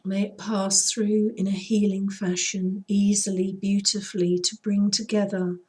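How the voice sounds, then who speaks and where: Hoarse husky woman, throaty, talks real slow and even, barely moves in pitch. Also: rough recording. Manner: soft, unhurried, intoning. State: hoarse after illness. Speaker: spiritual healer. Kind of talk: slow chanted healing invocation; casual chat to viewers.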